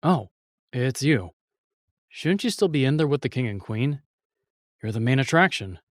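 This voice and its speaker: An actor playing a reluctant royal knight, curt and sighing but guardedly kind, in an intimate fantasy audio drama. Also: male voice, medium pitch, big pitch swings, normal speed, dry recording, studio quality. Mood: irritated, guarded.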